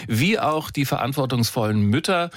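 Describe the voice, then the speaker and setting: A man's voice: medium pitch, expressive, moderate pace, no echo, studio quality. A man hosting a radio talk show, conversational and reflective, with frequent fillers.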